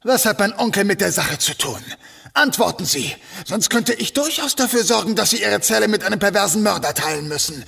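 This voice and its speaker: An actor playing a young, hard-edged police commissioner, demanding and threatening, in a radio drama. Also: male voice, high-pitched, lively intonation, fairly quick, vocal fry, pushed and bright, husky, full character voice. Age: young adult.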